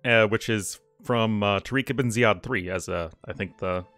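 A man hosting a strategy game video, reading mission text aloud in a relaxed, chatty way. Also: on the low side, normal speed, dry recording, soft background music. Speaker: gaming channel host. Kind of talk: let's play commentary.

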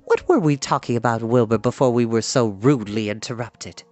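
A storyteller voicing a calm, motherly female spider who is kindly but firm, with a crisp, instructive manner. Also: mid-range voice, fairly quick, natural voice. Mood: sharp.

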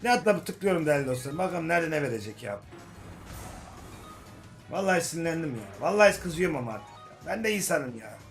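Man, high voice, slot streamer, joking, grumbles then hypes, faint music behind. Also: a little fast. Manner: joking, swings between grumbling and excited hype. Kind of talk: casual commentary over slot play. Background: faint game music.

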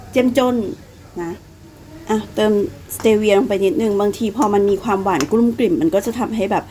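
A Thai woman in her thirties with a Northeastern accent chats casually in her home cooking vlog, referring to herself by her nickname. Her voice is mid-range and mellow, and she coughs with some phlegm. The audio is poor, with a slight hiss or hum.

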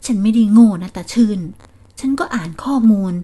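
A woman's voice: medium pitch, normal speed, mellow, close to an everyday voice. A woman voicing a gullible old grandmother who keeps defending her risky investments. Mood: defensive. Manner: stubborn, pleading, defensive. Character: gullible old village grandmother chasing quick money.

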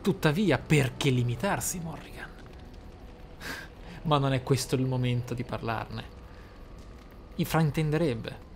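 A man's voice: medium pitch, unhurried, long pauses. Man musing over game, music behind. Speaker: let's play host. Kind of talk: casual role-play game commentary.

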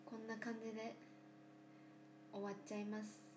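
A woman in her twenties hosting a casual livestream, speaking softly and often dropping to a near whisper, with playful drawn-out thank-yous to viewers. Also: mid-range voice, monotone. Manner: soft-spoken, often drops to a near whisper. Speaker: idol livestream host. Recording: roomy room with faint hum.

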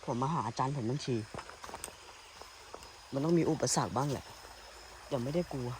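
A man's voice: medium pitch, moderate pace, slight background noise. A man talking casually to his viewers on a phone as he walks through a rainy forest, chatty and uneasy. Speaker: vlogger. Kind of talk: casual walking vlog to viewers. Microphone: handheld phone. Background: insects and rain ambience.

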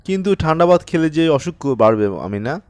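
A man voicing a poor, weary village farmer father who speaks in a soft, hushed, pleading way in an audiobook. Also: on the high side, sing-song, a little fast. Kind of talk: audiobook character reading.

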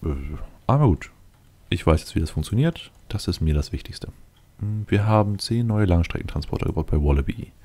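A man with a very low, dark and relaxed voice hosts a let's play. He talks through the game off the cuff, matter-of-fact, as if mostly speaking to himself. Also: brisk. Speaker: let's play video host. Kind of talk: casual improvised game commentary, thinking aloud.

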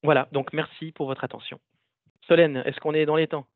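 Gravelly man on a tinny line. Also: a little high, flat delivery, brisk, dry recording. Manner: hesitant, filler-heavy. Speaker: presenter finishing a talk. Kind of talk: online presentation. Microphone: video call. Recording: tinny phone-like line, dry.

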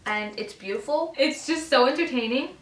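A woman in her twenties chatting casually to camera over a meal, informal and animated, chewing as she talks. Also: high voice, moderate pace. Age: 20s. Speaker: vlogger. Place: small bedroom, indoors. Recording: echoey room sound.

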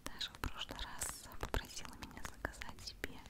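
A woman in her thirties whispers softly right into the listener's ear in a close-miked, gushing, affectionate ASMR chat. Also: fairly quick. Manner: gushing, affectionate, fond of diminutives. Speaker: ASMR video host. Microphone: large studio microphone right at the mouth.

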